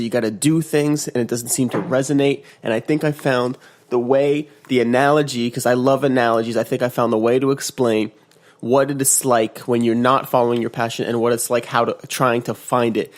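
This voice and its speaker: A man hosting a casual motivational podcast, just woken up and congested, rambling with restarts and acting out quotes in a higher voice. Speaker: podcast host. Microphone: podcast mic.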